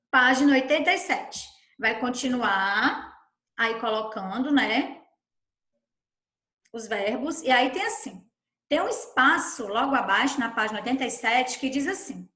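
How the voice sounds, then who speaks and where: A Brazilian woman teaching a recorded lesson for young children, her voice a little high and very bright. She talks slowly and patiently in a sing-song way. The room around her is echoey. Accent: Brazilian Portuguese. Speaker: primary school teacher.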